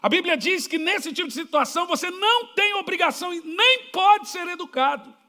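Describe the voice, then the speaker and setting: A middle-aged Brazilian man preaching as a pastor, telling stories with jokes and sudden shouts. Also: extremely high pitch, brisk. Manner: jokey, animated, shouting at times. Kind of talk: preaching sermon with storytelling.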